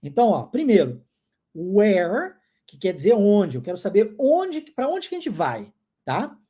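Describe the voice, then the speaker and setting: A man from New Jersey who teaches English, giving a pronunciation lesson. He repeats English words slowly for learners to copy and chuckles often. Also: sits high, sing-song, mellow, husky. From United States, New Jersey.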